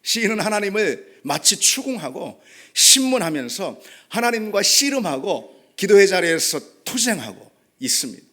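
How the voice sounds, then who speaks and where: A middle-aged male pastor preaching a sermon, acting out quoted prayers with dramatic swings between pleading and hushed explanation. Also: high voice, sing-song, moderate pace, hardly any pauses.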